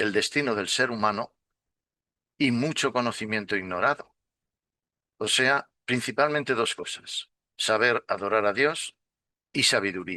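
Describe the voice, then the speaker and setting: Bright and sharp in tone, the speech moves at a fairly slow pace with long, frequent pauses and ordinary pitch variation, sounding dry and close with no echo against a quiet background. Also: man, medium pitch for a man. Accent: Spanish. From Spain. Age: 70s. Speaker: retired railway worker. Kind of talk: spiritual lecture presentation.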